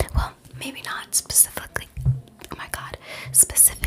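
A woman talks fairly slowly, with loud background noise around her. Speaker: ASMR creator. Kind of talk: soft ASMR roleplay chat. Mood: warm and grateful. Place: home room.

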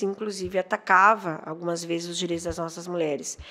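The speaker is a woman with fairly even intonation. She goes at a moderate pace. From southern Brazil, Uruguaiana (Rio Grande do Sul); Rio Grande do Sul, Brazil. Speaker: city councillor and teacher; city councillor, teacher. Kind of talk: interview. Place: studio. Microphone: studio mic.

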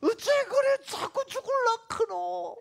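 A squeaky, put-on character voice at an extremely high pitch, delivered at a fairly slow pace. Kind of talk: colloquial, preaching.

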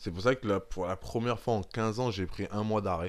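Against a quiet background, a man speaks at a moderate pace with a fairly low pitch and ordinary pitch variation. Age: 30s. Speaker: jiu-jitsu competitor. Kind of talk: casual chat. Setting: home dojo. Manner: animated.

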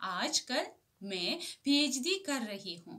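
In a bright, sharp tone and with an Uzbek accent, a woman talks with very wide pitch swings against a quiet background. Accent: Uzbek-accented Hindi. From Uzbekistan. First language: Uzbek (speaking Hindi). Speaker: research scholar. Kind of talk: prepared address. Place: home room. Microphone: phone near.

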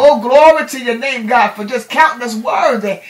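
A woman talks in a high pitch with ordinary pitch variation. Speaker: prayer leader. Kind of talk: fervent spontaneous prayer, rhythmic pleading invocation. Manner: run-on, breathless cadence stacking 'oh God' and 'hallelujah'; impassioned, repetitive crying out for mercy.

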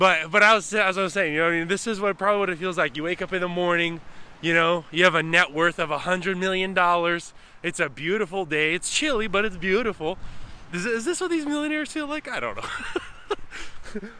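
A man's raised, projected voice, bright and sharp in tone, with lively intonation and a dry sound with no echo. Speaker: truck driver vlogger. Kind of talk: casual vlog chat. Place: beach. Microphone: phone near.

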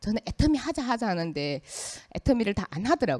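A woman talks at a very fast pace with very wide pitch swings and vocal fry. The background is quiet. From China. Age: 30s. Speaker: business presenter. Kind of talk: sales pitch. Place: classroom. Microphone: handheld.

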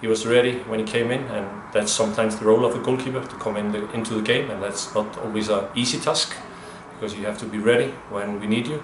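A man with an Icelandic accent at medium pitch, very fast pace and fairly even intonation, amid noticeable background noise. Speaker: football goalkeeper coach. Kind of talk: interview. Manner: halting. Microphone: webcam.

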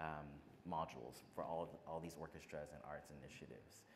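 A man's voice comes through with light background noise behind it. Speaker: cellist and professor; professor. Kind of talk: panel discussion. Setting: stage with audience. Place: stage.

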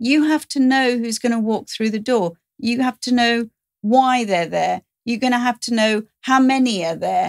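Over a quiet background, a woman with a London accent speaks at a fairly high pitch with ordinary pitch variation. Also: moderate pace. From England, London. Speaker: hospitality executive; podcast guest. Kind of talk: interview. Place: studio. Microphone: studio mic.

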